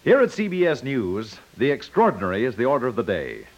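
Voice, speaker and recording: A man's voice: mid-range voice, huge pitch swings, a little fast. A man announcing from a script in the style of 1950s network radio. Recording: muffled 1950s radio broadcast recording.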